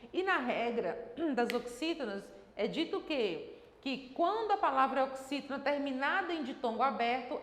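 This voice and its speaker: High-voiced woman teaching grammar in an echoey room. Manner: explanatory, checks in with tags like "tá?" and "né?". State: dry throat. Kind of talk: exam-prep grammar lesson. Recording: echoey room with long reverb.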